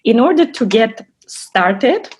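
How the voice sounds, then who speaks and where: A woman's voice: fairly high pitch, sing-song, takes it slowly, darkish tone, a little hiss or hum. Woman giving a careful online lecture. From Armenia, raised in Russia. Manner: careful, explanatory, with frequent restarts. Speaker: assistant professor, course coordinator.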